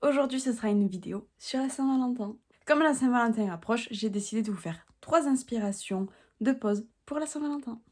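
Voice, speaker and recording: Woman calmly narrating a nail tutorial. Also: a little high, fairly quick, no room sound, clean studio sound. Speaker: nail art tutorial host. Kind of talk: step-by-step tutorial voice-over.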